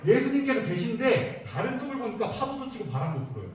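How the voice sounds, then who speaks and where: A man's voice: very high-pitched, big pitch swings, fast. A man preaching to young children, asking them questions and repeating their answers. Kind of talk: children's sermon with call-and-response questions. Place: church worship room. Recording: echoey room, mic at a distance.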